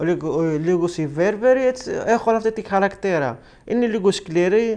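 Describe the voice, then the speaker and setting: At a moderate pace, a man speaks with an Arabic accent. His voice is high in pitch with ordinary pitch variation. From Morocco. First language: Arabic (speaking Greek). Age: 20s. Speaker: young migrant interviewee. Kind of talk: interview testimony. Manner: halting, many false starts.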